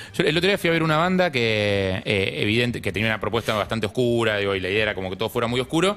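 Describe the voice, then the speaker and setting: A man with a medium-pitched voice talks at a very fast clip with lively intonation and hardly any pauses, over noticeable background noise. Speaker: radio co-host. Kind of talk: casual chat.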